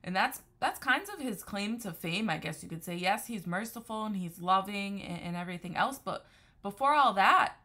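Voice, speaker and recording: A woman's voice: medium pitch, animated, moderate pace, sharp tone. A woman from the New Haven, Connecticut area giving an unscripted religious monologue as a Christian commentator, earnest and discursive, often restarting her sentences. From New Haven, Connecticut area, USA.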